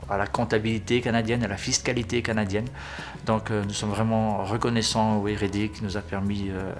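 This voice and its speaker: A man in his forties from Europe, a business owner speaking earnestly in a testimonial interview, often pausing to hesitate. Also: medium pitch. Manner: earnest, hesitant with frequent pauses.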